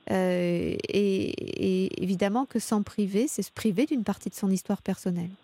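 A woman hosts a radio call-in advice show, giving counsel in a calm, measured, reassuring way. Her voice is mid-pitched and she speaks into a close studio microphone with a dry sound. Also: no echo. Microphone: studio mic.

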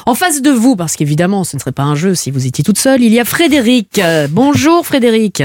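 A woman's voice: medium pitch, sing-song, brisk, a little mellow, slight background noise. A woman hosting a radio quiz game, playful and teasing, laughing often between questions. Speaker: radio game show host.

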